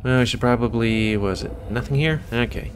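A man's voice: mid-range voice, a little fast, slight background noise. An American man giving casual, rambling let's play commentary with wry asides. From United States. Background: video game music.

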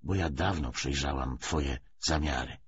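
Stern wife talking hard and quick, read by a man, low and quiet, kinda dull recording. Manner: hard, hurried speech. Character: stern wife, adult woman, hard and determined. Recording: slightly dull recording, faint noise.

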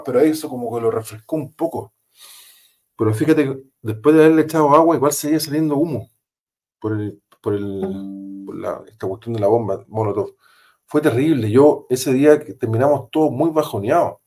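A man's voice: mid-range voice, a little mellow. Emphatic Chilean man recounting a story. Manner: emphatic, repetitive, casual slang. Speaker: interview guest, former police officer.

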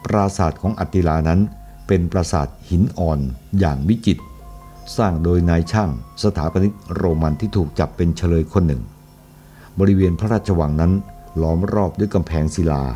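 Low, dark-toned man narrating a historical novel, steady delivery. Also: normal speed, soft background music. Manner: steady, even storytelling. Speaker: audiobook narrator.

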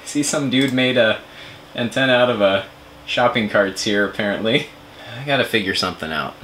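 Man, thirties, lowish voice, casual vlog talk, musing, faint background noise. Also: moderate pace, sharp tone. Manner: musing, thinking aloud. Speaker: amateur radio video maker. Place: garage workshop and open field.

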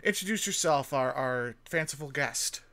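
A man's voice: mid-range voice, animated, normal speed, a bit bright. A man co-hosting a podcast while streaming a game, chatty and full of fillers. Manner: chatty, promotional, filler-heavy.

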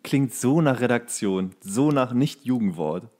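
A man's voice: mid-range voice, expressive, measured pace, darkish tone. A man co-hosting a podcast, chatting casually with slangy, crude humour. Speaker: podcast co-host. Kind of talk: casual comedic chat.

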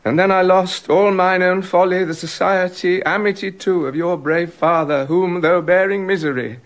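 An actor playing a remorseful king in a radio drama, halting and stammering with emotion. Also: high voice, steady tone, close to an everyday voice. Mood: tender. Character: remorseful king, haunted by guilt.

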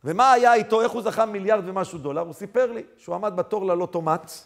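Brief: male rabbi, animated sermon delivery, high, gravelly. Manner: animated, rhetorical questions.

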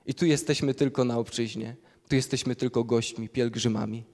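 A man's voice: medium pitch, fairly even intonation, fairly quick, darkish tone. A man preaching a sermon, reading Bible passages aloud and explaining them verse by verse. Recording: long hall reverb.

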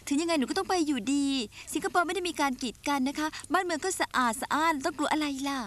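A woman's voice: high voice, quick pace. A woman dubbing a Thai TV drama, playing a headstrong young woman who argues with her mother and her lover. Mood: pleading. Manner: sweet then sharp, headstrong.

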